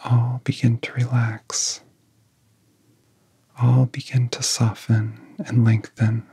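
Man, soft breathy half-whisper, very slow, flat intonation, gentle ASMR relaxation guide, long pauses. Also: medium pitch, no room sound. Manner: gentle, soothing, long pauses between phrases.

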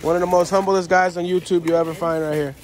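A man's voice: high-pitched, steady tone, quick pace. A man hosting a casual vlog outdoors at storage units, hyped and teasing, talking straight to his viewers. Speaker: channel host.

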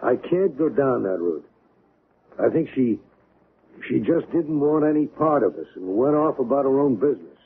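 An actor playing a sober, resigned, skeptical friend in a 1970s radio drama. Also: male voice, medium pitch, animated, moderate pace, lightly acted. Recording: narrow-band old radio, background noise.

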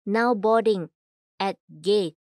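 A woman reading scripted public announcements in a formal, measured, carefully enunciated manner. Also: mid-range voice, darkish tone, dry recording, clean studio sound. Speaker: voice-over announcer.

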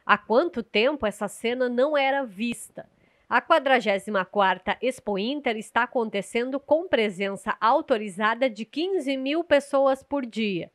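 A young adult woman reporting the news from outdoors at an agricultural fair, speaking into a handheld mic in a measured, scripted way. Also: on the high side, no room sound, clean studio sound. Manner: measured, clear reporting delivery.

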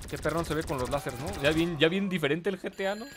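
A young gaming streamer with a Mexican accent commentates a live game fast in a fairly high voice, joking in slang and greeting viewers from the chat over a noisy background.

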